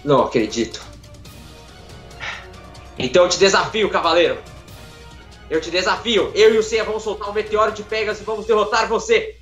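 A man's voice: sits high, a little fast, long pauses, faint music behind, pitched above the performer's own voice. A man acting as a plucky young anime hero with a playful, dramatic manner, over a video call. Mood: defiant. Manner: playful, dramatic challenge, shouted attacks. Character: plucky young anime hero challenging a villain alongside his comrade. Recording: dull, echoey video call.

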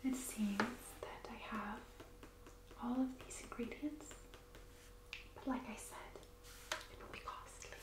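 A woman playing a mysterious, softly menacing witch shopkeeper in a hushed, deliberate ASMR role play. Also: on the high side, steady tone, reverberant. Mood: cool, businesslike. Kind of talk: soft-spoken whispered ASMR role play. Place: small indoor room, candlelit set.

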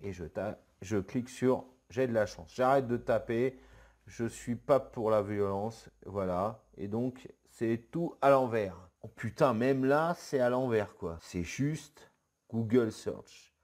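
A young man shows tricks on screen in a loose, joking way. He swears casually and fills gaps with hesitations. His delivery is slow and unhurried, at a mid pitch. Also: darkish tone. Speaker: web marketing video host.

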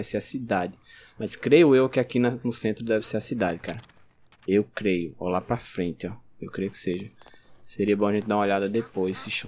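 A lowish male voice with a Brazilian accent is accompanied by a bit of hiss or hum. This gameplay streamer keeps his commentary casual and excitable, yelping and scolding zombies throughout.

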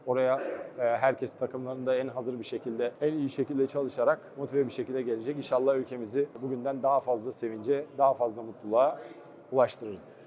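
Fast-talking young Turkish man. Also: medium pitch, fairly even intonation, mellow. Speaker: goalkeeper. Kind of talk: post-match interview.

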